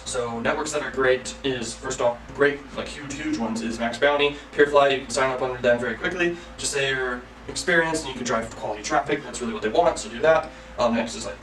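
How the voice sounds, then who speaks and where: A man giving a casual, energetic online marketing tutorial, salesy and loose, often saying freaking. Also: mid-range voice. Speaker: online course creator. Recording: echoey room, mic at a distance, faint ambient noise.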